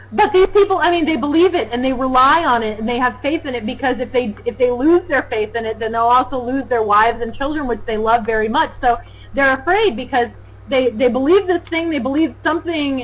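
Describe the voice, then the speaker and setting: A woman shouting loudly in a high pitch, lively in intonation and fairly quick, amid noticeable background noise. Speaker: live show co-host. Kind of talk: casual chat. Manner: loud, sounds like yelling.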